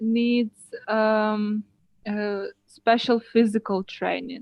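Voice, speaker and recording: Speaking at a very slow pace, a woman keeps a monotone, flat intonation at a fairly high pitch. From Belarus. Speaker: English learner. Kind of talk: online class discussion. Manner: halting, many fillers.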